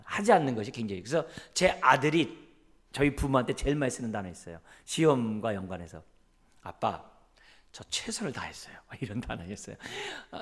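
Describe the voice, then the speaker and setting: A middle-aged man, the pastor, preaching a sermon in a church and acting out quoted parents and children. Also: mid-range voice. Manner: animated, acts out quoted parents and son; calls himself quick-tempered.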